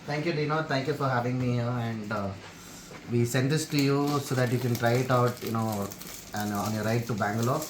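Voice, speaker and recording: A man's voice: mid-range voice, steady tone, a little fast. A man in his thirties with an Indian accent, casually explaining and demonstrating a product he helped develop. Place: hotel room, indoors. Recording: echoey room with noticeable background noise.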